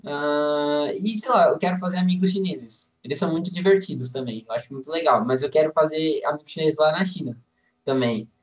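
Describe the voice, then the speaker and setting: Fairly high-pitched and fairly quick, this young man's voice reaches us through a computer mic on a video call. He is nineteen, a language student talking casually from home, relaxed and enthusiastic though somewhat rambling, in an indoor room.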